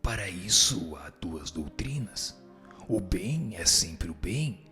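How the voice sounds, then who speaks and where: A man playing a grave, admonishing spirit teacher in a scripted audio drama, speaking in a solemn, measured, didactic way. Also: low-pitched, very animated, bright, forceful tone, soft background music, full character voice. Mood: solemn, instructive.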